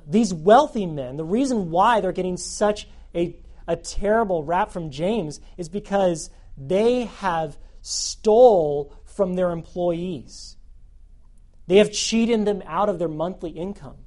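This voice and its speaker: A man preaching a sermon to students as their youth pastor, animated and repeating phrases for emphasis. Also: high voice, slow.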